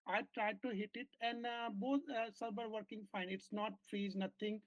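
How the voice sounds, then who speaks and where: His voice sitting high with a steady tone, a software engineer talks his team through a bug in a work meeting on a video call. He stumbles, using fillers and restarts throughout. The audio has no echo and sounds dull and lo-fi.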